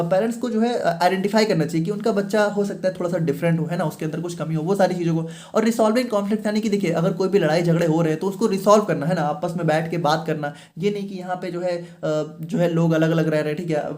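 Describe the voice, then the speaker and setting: A man's voice: high-pitched, a little mellow. A man giving an explanatory online lecture as a pharmacy teacher, speaking between stretches of Hindi and checking in often with short fillers. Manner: mixes Hindi and read-out English, many fillers like "thik hai".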